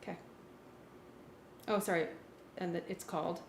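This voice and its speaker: A woman's voice: fairly low pitch, steady tone, moderate pace, creaky, echoey room, a little hiss or hum. A woman chatting casually as a working musician at a rehearsal, asking practical questions.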